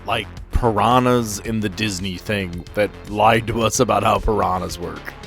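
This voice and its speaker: A man's voice: on the low side, normal speed, fairly bright tone, faint music behind. A man narrating a tabletop role-playing game as game master.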